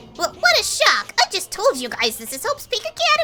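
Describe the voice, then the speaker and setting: A put-on character voice at an extremely high pitch rattles along at a fairly quick pace, with faint music in the background. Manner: gleeful, mocking.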